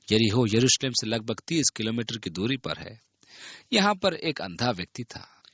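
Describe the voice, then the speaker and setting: A man reading a Bible passage aloud and explaining it in an earnest, expressive manner. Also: medium pitch, slightly rough, no echo, highs cut off. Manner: earnest, expressive reading that voices the people in the story. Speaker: Bible teacher.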